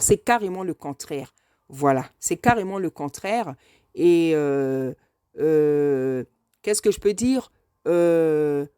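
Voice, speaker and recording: A woman's voice: mid-range voice, dark tone, dry recording, clean studio sound. A woman from France giving an earnest, unscripted spoken address, hesitant and often repeating phrases for emphasis. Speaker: speaker addressing a video message to a politician.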